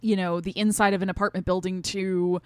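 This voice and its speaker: Female podcast co-host, lowish voice, casual and animated explainer, close dry sound. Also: a little fast, clean tone, no room sound. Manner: animated explaining, frequent "like" and "right?". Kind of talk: casual conversational review.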